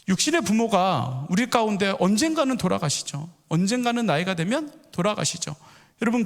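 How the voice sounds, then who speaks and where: Animated middle-aged male pastor. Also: sits high. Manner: storytelling, acts out voices, asks the congregation questions. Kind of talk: sermon. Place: church sanctuary. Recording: echoey church hall.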